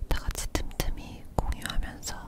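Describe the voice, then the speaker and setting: A whisper proceeds at a fairly slow pace, with noticeable background noise around it. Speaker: ASMR creator. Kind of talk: casual year-end reflection to viewers. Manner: whispered.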